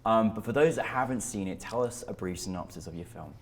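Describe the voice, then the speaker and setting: A man's voice: lowish voice, brisk. A man hosting a film interview, effusive and enthusiastic, rambling as he praises the film. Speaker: interview host. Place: indoor venue.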